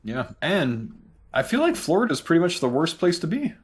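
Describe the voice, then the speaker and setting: A man's voice: on the high side, huge pitch swings, normal speed, breathy edge. A man in casual voice chat with his gaming group who teases the others in playful banter.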